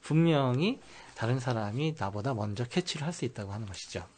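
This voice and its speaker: A middle-aged man, a pastor and family counselor, explaining calmly on a radio talk show with many fillers. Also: mid-range voice, a little fast. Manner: calm explaining, with many fillers and English loanwords.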